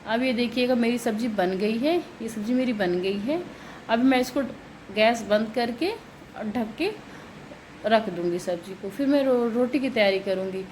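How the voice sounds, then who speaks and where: A woman, her voice sitting a little high. She chats in a rambling way as she cooks and explains each step, recorded in a home kitchen with faint household noise behind her. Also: moderate pace, darkish tone, poor audio. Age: 30s. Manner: chatty, rambling, explains steps while working. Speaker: vlogger. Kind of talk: casual home vlog while cooking.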